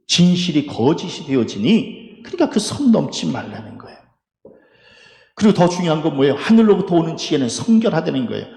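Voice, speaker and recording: A high-voiced male pastor preaches with a wide, animated pitch that jumps up on his rhetorical questions. He laughs briefly between points. His voice rings through a church sanctuary with a long, echoing reverb. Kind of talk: sermon.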